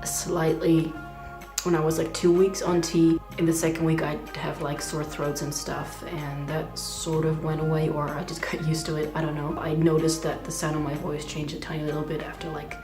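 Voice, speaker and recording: A young trans man talking in a casual video diary, hesitant and full of fillers, with a fragile voice that sometimes skips between low and high. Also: completely flat delivery, normal speed, reverberant, over music. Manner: hesitant, many "like" fillers, nervous laughs. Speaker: vlogger.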